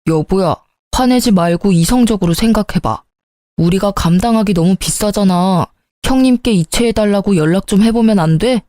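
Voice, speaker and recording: A woman's voice: medium pitch, moderate pace, warm tone, no room sound, studio quality, close to an everyday voice. A woman voicing a clueless, whining young husband in a story radio drama. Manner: pleading, whining.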